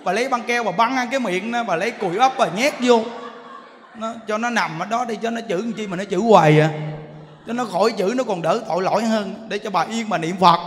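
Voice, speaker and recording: A man's voice: sits high, quick pace. A monk giving a sermon as a joking storyteller, often asking his listeners rhetorical questions. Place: temple hall with an audience. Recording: echoey hall.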